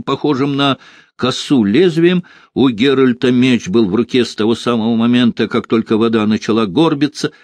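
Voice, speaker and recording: A man narrating a fantasy audiobook in a measured, expressive storytelling manner, recorded close to the mic. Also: fairly low pitch, no room sound.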